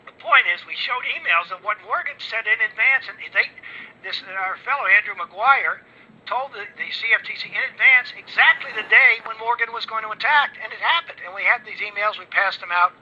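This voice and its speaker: An older man giving an informal speech as a guest speaker, rambling and emphatic, with an excitable manner. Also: sits high. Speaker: guest speaker at an investor gathering. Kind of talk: informal speech on precious metals markets. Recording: dull, band-limited audio.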